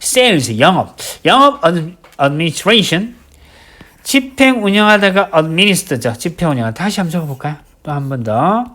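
A man teaching English vocabulary in a recorded lecture, repeating each word slowly and writing it out as he explains. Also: on the high side, very animated, fairly bright tone. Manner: drills words by slow repetition, writes as he explains.

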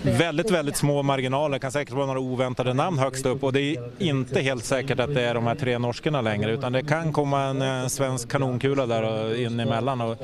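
A man's voice: medium pitch, steady tone, hardly any pauses, crowd noise. A man reporting on sport, giving a confident and analytic breakdown of the race outdoors at a snowy ski stadium, with a few dry jokes. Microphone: handheld mic.

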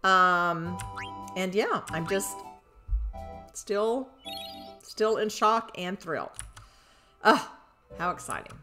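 Slow, lively older woman gamer. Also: medium pitch, faint music behind. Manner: thinks aloud, bursts into excited squeals. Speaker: game streamer. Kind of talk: live gameplay commentary.

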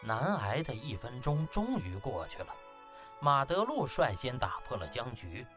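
A man's voice: medium pitch, very animated, unhurried, music in the background. A man narrating an audiobook as dramatic scripted storytelling, in a theatrical, emphatic manner.

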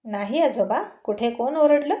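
A woman's voice: fairly high pitch, normal speed, mellow, roomy sound, close to an everyday voice. Woman voicing playful young husband.

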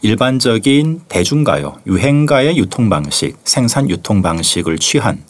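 Low-voiced man explaining fluently. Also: sing-song, normal speed. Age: 40s. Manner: fluent, orderly explanations without notes. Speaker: music historian guest. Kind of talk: studio interview. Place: small studio. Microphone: studio mic on arm, close.

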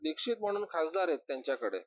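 A man's voice: fairly high pitch, sing-song, very fast, no echo, muffled recording. A man doing a confident, scheming ex-bodyguard. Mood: breezy. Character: adult male former bodyguard, confident and scheming.

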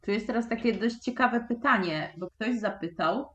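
A woman's voice: a little high, moderate pace, a bit bright. A woman co-hosting a casual interview over a video call, speaking conversationally.

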